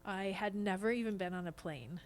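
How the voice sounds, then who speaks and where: A woman's voice: mid-range voice, a little fast, a little hiss or hum. An American woman in her fifties talking casually as a podcast guest, explaining things with examples. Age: 50s.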